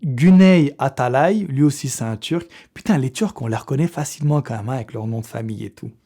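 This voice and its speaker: A man's voice: medium pitch, fairly quick, mellow. Slangy, chatty young man. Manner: slangy, swearing, chatty, laughs often. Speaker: fitness youtuber running a giveaway draw. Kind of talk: casual vlog talk to camera.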